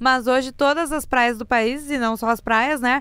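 In a very clean recording with a silent background, a raised, projected voice with a bright, sharp tone speaks at a moderate pace with fairly even intonation. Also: woman. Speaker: radio podcast host. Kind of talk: casual banter with co-hosts, podcast.

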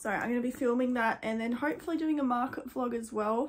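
Her voice high in pitch, a woman speaks with an Australian accent. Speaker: crochet business owner and vlogger; vlogger. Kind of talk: casual vlog. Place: home room. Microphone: phone near.

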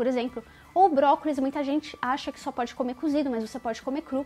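Faint music plays in the background. A woman speaks at a fairly quick pace. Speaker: vlogger. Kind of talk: casual vlog chat. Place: home room. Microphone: lapel.

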